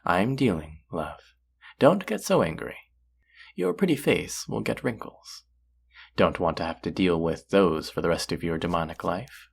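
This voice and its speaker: A woman voices a seductive demon dealer from an underworld casino in an audio roleplay. The voice sits low and crackles with fry, lingering unhurriedly over each tease. The delivery is flirty, possessive and taunting, sliding up and down as if toying with a captive player. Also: lively intonation, full character voice. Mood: smug, flirty. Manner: slow, teasing, flirtatious, taunting. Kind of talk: flirty roleplay audio drama, intimate one-on-one.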